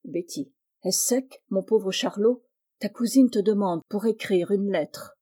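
A woman doing a gentle old housemaid. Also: mid-range voice, a little slow, husky. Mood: tender. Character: kindly older woman servant, gentle.

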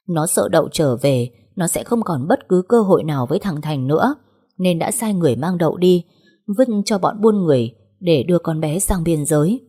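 A woman's voice: low-pitched, warm tone, husky. A woman reading a first-person story aloud as scripted narration, with an emotional, dramatic delivery.

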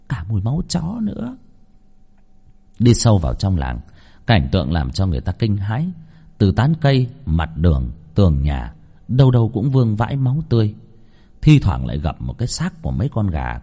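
Man, ghost-story narrator, dramatic reading, mellow, animated. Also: low-pitched, husky.

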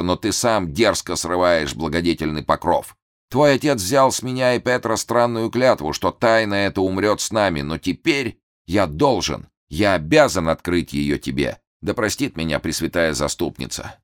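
A man's voice: sits low, very animated, moderate pace. A man voicing an old male doctor who is frightened, shaky and given to agitated outbursts. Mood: grave. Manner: shaky, pleading, fearful outbursts.

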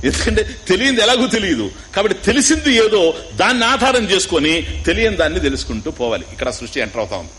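A man's voice: mid-range voice, a bit bright, a little hiss or hum, low-quality recording. A man with a Telugu accent giving a spiritual discourse on scripture, teaching through questions and repetition and mixing in English words. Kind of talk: Upanishad discourse.

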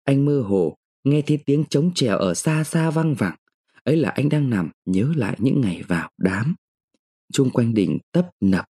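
A man reads a short story aloud with strong feeling. His pitch rises and falls over a wide range. His voice is mellow and slightly husky. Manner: emotive, dramatic. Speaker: narrator. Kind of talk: dramatic short-story reading.

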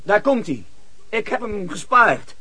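An actor playing a troubled biblical king in a radio play, husky and emotional, given to justifying himself. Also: sits high, big pitch swings, measured pace, pushed and bright, no echo, exaggerated voice. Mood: defensive. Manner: emotional, theatrical. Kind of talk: Dutch radio play acting.

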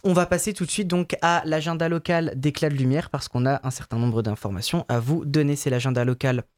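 A man's voice: a little high, steady tone, brisk. A man hosting a cultural radio show, interviewing a guest and announcing events in a friendly, upbeat way. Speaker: radio host.

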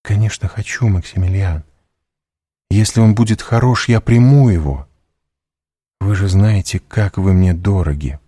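A man's voice: measured pace, pauses often, warm tone, husky, dry recording, clean studio sound. A man reading an audiobook, voicing a young noblewoman in raised, pleading, distressed tones. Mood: earnest. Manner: raised pitch, tearful urgency.

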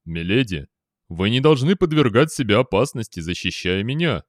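A man doing a quiet, calm robot gentleman. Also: on the low side, moderate pace, no room sound, studio quality. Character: calm, loyal male humanlike robot.

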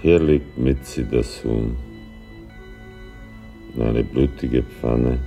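An actor in a radio drama playing a weary, wry Jewish man who speaks slowly with dry, mournful irony. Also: rumbling low, fairly even intonation, warm tone, heavily acted. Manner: slow, dry, ironic. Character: weary, wry Jewish man, grieving yet dryly ironic. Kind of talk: stage-like radio drama acting. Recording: prominent music behind the voice.

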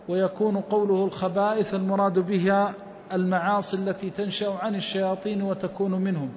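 A man teaches a religious text in a measured, scholarly way, quoting verse and the views of scholars as he explains each phrase. His voice sits high and stays fairly level in pitch. The recording carries a long hall reverb with a faint hiss underneath. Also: a little mellow.

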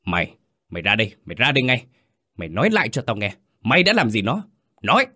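A man's voice: lowish voice, huge pitch swings, quick pace, pushed and bright, pitched above the performer's own voice, exaggerated voice. A man voicing a big, furious brother-in-law demanding answers, in a storybook reading.

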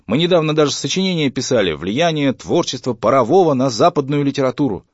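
A man's voice: medium pitch, animated, quick pace, dry recording, dull audio, pitched above the performer's own voice, lightly acted. A man reading a story, voicing a dogmatic schoolboy who lectures his father. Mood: lecturing. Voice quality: preachy, self-assured lecturing tone.

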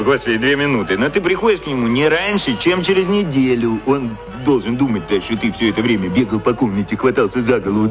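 An actor in a radio play playing a brisk, cynical middleman who talks like a chatty salesman. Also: medium pitch, natural voice. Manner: conversational salesmanship, full of filler words and asides. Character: brisk, cynical middleman hustler coaching a novice copywriter. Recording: music behind the voice.

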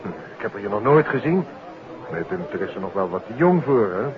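A man's voice: on the low side, very animated, fairly quick, crowd noise. An actor playing an affable but evasive man-about-town in a 1950s Dutch radio play, chatty and breezy. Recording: muffled old radio recording, music behind.

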